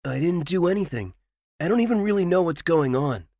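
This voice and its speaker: A man's voice: a little high, very animated, moderate pace, darkish tone, husky, no echo, clean studio sound, voice pushed up, heavily acted. A man voicing a nervous, flustered young man who stammers and protests his innocence. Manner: stammering, defensive.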